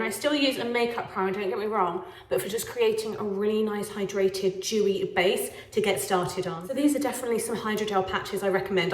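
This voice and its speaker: A woman with a nasal, stuffy voice from a cold, chatting enthusiastically through a casual makeup review. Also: mid-range voice. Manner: chatty, enthusiastic, gushing about products. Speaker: beauty vlogger. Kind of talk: casual product review walkthrough.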